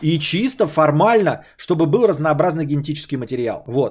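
A man speaks at a moderate pace with very wide pitch swings. His tone is animated. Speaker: podcast host. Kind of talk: casual chat, solo podcast with news reading and chat replies. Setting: studio, live stream with chat and donations. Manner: animated, profane, joking.

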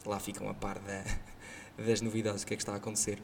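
Over noticeable background noise, a man with a fairly low pitch talks at a very fast pace in a monotone, flat intonation. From Portugal, Chaves (Trás-os-Montes). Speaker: podcast host. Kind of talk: casual chat. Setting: rooftop venue.

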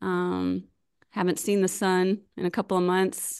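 A woman with a medium pitch speaks at a fairly slow pace. The background is quiet. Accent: American. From US Midwest, Chicago area then Oklahoma. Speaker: missionary field worker. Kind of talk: casual chat. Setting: video call. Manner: animated.

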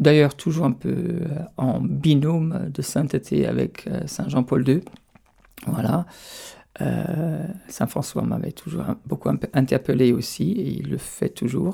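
Leaving long, frequent pauses, a man speaks at a very slow pace. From Germany, Stuttgart area. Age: 50s. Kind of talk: radio interview testimony. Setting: studio. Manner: halting.

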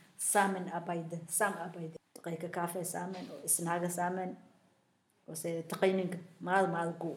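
In a room with audible echo, a woman of fairly low pitch speaks at a fairly slow pace in a monotone, flat intonation, with big swings in loudness and long, frequent pauses. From Somalia. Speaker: refugee in language school. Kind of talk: recorded testimony. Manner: halting.

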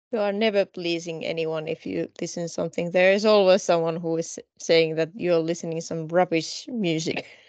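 A woman with a Finnish accent and fairly low pitch, fairly even intonation and hardly any pauses, in a dry, close sound with no echo and a quiet background. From Finland. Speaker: project manager and podcast co-host. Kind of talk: casual round-table discussion. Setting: video call.

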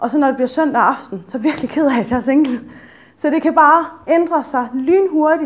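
A woman's voice sits high. She talks fairly quickly. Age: 30s. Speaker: speaker at church event. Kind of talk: talk to a church audience. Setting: stage with audience.

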